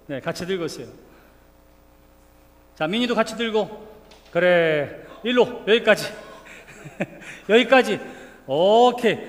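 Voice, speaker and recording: High-pitched guy pastor doing a kids sermon, playful, big echoey church hall. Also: sharp tone. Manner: playful, coaxing, calls children by name. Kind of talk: children's sermon with a live demonstration. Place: church sanctuary. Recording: reverberant hall, faint room noise.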